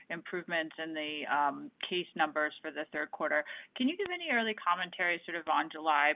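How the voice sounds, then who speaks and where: A woman's voice: low voice, creaky, dry recording. A woman speaking as a financial analyst, putting questions on a conference call. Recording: dull, band-limited call audio.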